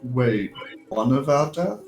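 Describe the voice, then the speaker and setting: A man's voice: medium pitch, animated, slow, vocal fry, a little mellow. A man playing a tabletop game, reacting and chatting casually. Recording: roomy echo, faint guitar music.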